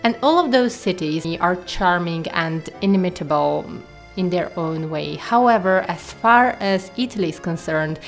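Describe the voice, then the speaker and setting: Low-voiced woman narrating her travel vlog. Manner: enthusiastic and admiring, with frequent "um" fillers. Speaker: travel and beauty vlogger.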